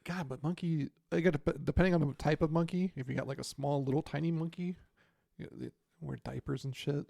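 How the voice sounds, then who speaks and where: A soft-spoken, quiet man co-hosting a casual podcast, talking from a home studio. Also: on the high side, steady tone, brisk, creaky, no echo. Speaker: podcast co-host. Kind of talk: casual chat.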